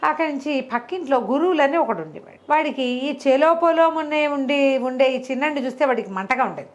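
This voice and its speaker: A woman telling a folk tale in a colloquial, conversational way, with animated asides. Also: high-pitched, brisk. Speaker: storyteller. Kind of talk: conversational oral storytelling of a folk moral tale.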